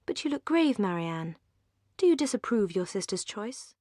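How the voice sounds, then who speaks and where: An eager English mother, lifting brightly as she fusses over her daughters, read by a woman. A dry, close storybook recording. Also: mid-range voice, sing-song, moderate pace, dry recording. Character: eager, doting widowed mother.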